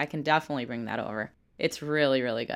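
A woman speaks in a bright, sharp, animated tone with lively intonation. The recording is very clean, with a silent background. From Chicago, US Midwest. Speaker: actress and comedian. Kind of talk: casual interview. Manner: animated, laughs often.

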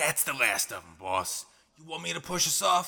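This is a raspy, put-on character voice. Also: man. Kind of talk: comic overacting. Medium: audio drama. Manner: eager, goofy sidekick.

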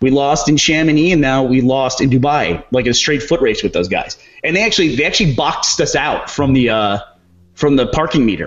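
In a normal speaking voice, a man with an American accent talks at a fairly quick pace and fairly high pitch, with lively intonation and very even loudness. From Texas. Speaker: reality show contestant. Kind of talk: casual chat.

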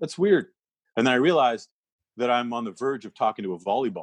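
Speaking at a very fast pace, a man with a western Canadian accent makes very wide pitch swings, in a dry, close sound with no echo. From Edmonton, Alberta, Canada. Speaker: stand-up comedian. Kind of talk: casual chat. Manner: animated.

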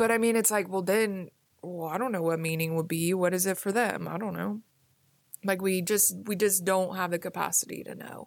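Recorded very cleanly against a silent background, a woman with a normal speaking voice talks at a medium pitch and moderate pace with fairly even intonation. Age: 20s. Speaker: solo podcast host. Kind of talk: casual solo monologue. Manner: casual with filler words.

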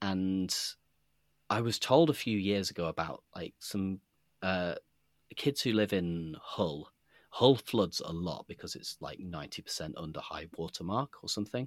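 A man's very deep, low voice in a very clean recording with a silent background, dry and close with no echo. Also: ordinary pitch variation, moderate pace. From East Midlands England (Nottingham). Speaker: game designer and editor. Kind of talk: casual interview chat.

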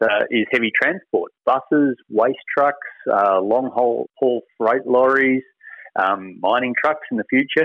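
In an Australian accent, a man talks at a fairly slow pace with very even loudness. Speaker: clean technology company executive. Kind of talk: interview.

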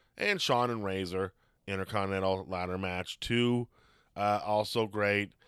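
A man's normal speaking voice, fairly even in intonation, at a moderate pace. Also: fairly low pitch for a man. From Canada. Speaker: wrestling podcast host and comedian. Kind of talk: casual chat. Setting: remote call with co-host.

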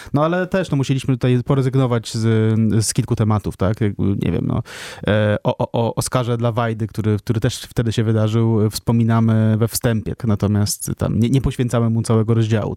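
A man speaks at a very fast pace in a dark, mellow tone with fairly even intonation, the sound dry and close with no echo. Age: 30s. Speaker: podcaster and book author. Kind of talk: casual interview. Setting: studio. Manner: repeats words when starting phrases.

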